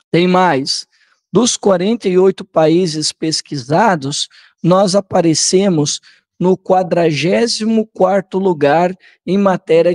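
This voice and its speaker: Slow, high-voiced Brazilian man. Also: darkish tone. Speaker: host of a political commentary channel. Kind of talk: commented reading of a political newsletter, between read-aloud and casual commentary.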